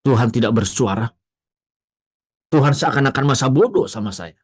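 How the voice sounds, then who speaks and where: A male pastor preaching a sermon, moving from quiet, low storytelling to loud, emphatic peaks. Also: animated, moderate pace, husky, no room sound, clean studio sound.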